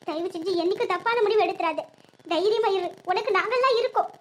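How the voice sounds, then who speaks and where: A woman's voice: extremely high pitch, fast talker. A woman voicing a grieving older village mother-in-law with a southern Tamil Nadu accent, lamenting and giving advice. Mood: earnest advice. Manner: lamenting, advising.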